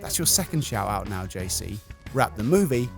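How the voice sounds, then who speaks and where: Wry man with lively intonation. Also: fairly low pitch, normal speed, gravelly. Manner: wry, sarcastic. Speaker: video narrator. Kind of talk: comic scripted commentary. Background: light music.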